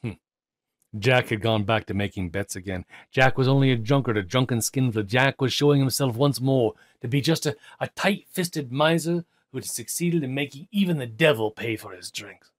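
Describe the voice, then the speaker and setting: A man narrating an audiobook as dramatic literary storytelling, theatrical, with deliberate pauses and emphasis. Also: medium pitch, dry recording, studio quality.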